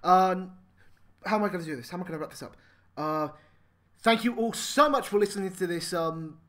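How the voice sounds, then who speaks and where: A man's voice: high-pitched, brisk, a bit bright. A man, an amateur voice actor, talking casually and animatedly in an improvised comic demo reel.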